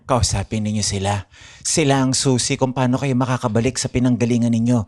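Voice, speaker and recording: A woman's voice: a bass voice, fairly even intonation, brisk, darkish tone. A woman voicing a solemn older male guide in an improvised radio drama.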